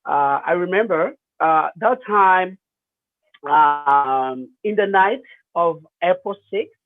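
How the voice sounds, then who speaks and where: A man in his thirties with a Rwandan accent, giving personal testimony as an interview guest, hesitant and pausing often, over a remote call. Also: sits high, lively intonation, no echo. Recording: muffled, radio-like narrow phone-quality line.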